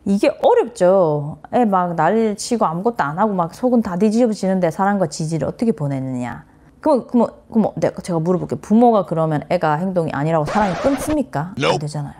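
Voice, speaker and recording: A woman's voice: lowish voice, expressive, fast, warm tone. A middle-aged woman psychiatrist giving a parenting lecture, speaking earnestly, acting out what parents and children say and mixing in English phrases.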